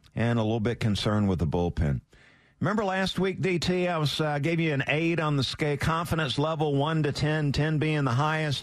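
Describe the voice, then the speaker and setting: A plain, everyday voice with lively intonation at a fairly quick pace, on a very clean recording with a silent background. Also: man. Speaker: radio host. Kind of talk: live sports talk radio show.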